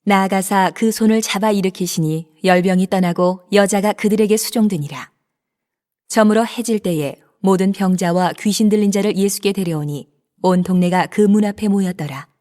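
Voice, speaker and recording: A woman narrating a dramatized scripture reading in a measured, even manner. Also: mid-range voice. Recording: long reverb.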